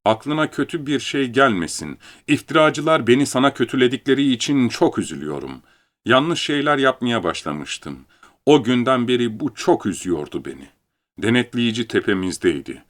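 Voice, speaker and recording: A man reading a first-person story aloud as an audiobook, with animated, theatrical storytelling. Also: mid-range voice, moderate pace.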